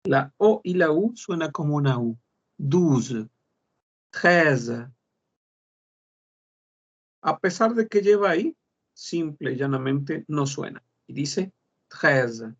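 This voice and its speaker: A man teaching a French class, slowly repeating words to model their pronunciation. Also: a little high, animated. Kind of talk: online class lesson. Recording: dull lo-fi class recording.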